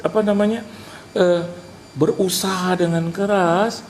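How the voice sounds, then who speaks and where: A middle-aged male pastor preaching a sermon, animated, acting out conversations and mixing in English phrases. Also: high-pitched, a little slow. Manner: animated preacher who acts out dialogues and drops English phrases. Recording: noisy live sermon recording.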